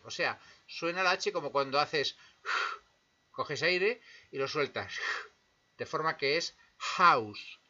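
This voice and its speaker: Over dull lo-fi audio, a man gives a pronunciation lesson in English, slowly and patiently repeating example words and using tag questions to check in with the listener. His voice is on the high side, pushed and bright.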